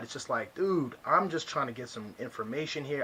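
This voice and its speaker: An animated voice goes at a very fast pace. Noticeable background noise runs underneath. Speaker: internet marketing coach. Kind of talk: tutorial.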